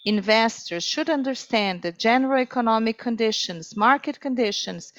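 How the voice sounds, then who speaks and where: A woman speaking as a conference interpreter, delivering a formal corporate presentation in a measured way. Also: medium pitch, no room sound, low-quality recording.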